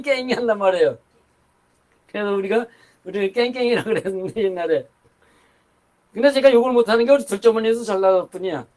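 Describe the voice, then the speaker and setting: An older man delivering a sermon with a rather high-pitched voice. He talks in a loose, conversational way, wandering into asides and starting his sentences over. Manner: conversational, rambling with asides and restarts. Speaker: pastor.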